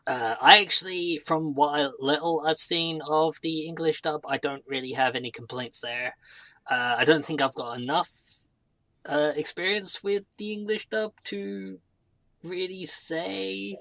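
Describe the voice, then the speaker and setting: A man co-hosting a casual podcast, speaking haltingly with lots of fillers. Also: on the high side, steady tone, creaky, sharp tone, no room sound. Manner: halting, with many fillers and restarts. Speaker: podcast co-host.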